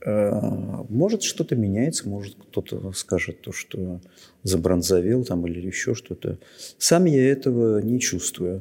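Speaking very slowly, a man uses a fairly low pitch and a dark, mellow tone with lively intonation. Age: 60s. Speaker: Orthodox priest. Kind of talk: interview. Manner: halting.

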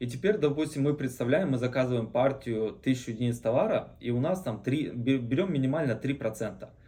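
Speaking at a moderate pace with hardly any pauses, a man uses medium pitch and ordinary pitch variation. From Kyrgyzstan. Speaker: business owner, China sourcing expert. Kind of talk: casual interview. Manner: repetitive, halting.

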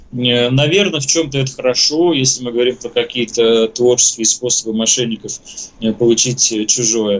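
This is a man with a plain, everyday voice. He talks at a moderate pace with medium pitch. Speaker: lawyer. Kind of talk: expert advice on call-in radio show. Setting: remote connection to studio. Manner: formal.

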